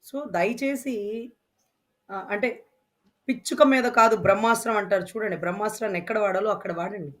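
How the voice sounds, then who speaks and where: An interview guest speaking with passion, firing off emphatic rhetorical questions. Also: medium pitch. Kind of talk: impassioned interview talk.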